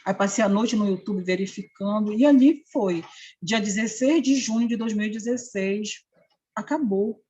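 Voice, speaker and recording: A middle-aged woman with an Amapá Brazilian Portuguese accent recounts a personal story, slipping into the voices of the people she quotes. Her voice is husky and a little breathy, at a medium pitch. The recording sounds dull and lo-fi. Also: normal speed, dark tone. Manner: earnest storytelling, acting out quoted dialogue. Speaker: interviewee. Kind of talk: personal testimony.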